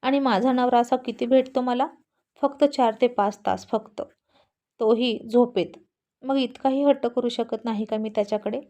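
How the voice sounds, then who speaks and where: A woman's voice: on the high side, fairly even intonation, normal speed, warm tone, lightly acted. A woman voicing a young pregnant wife who coaxes her husband playfully, in a storybook reading.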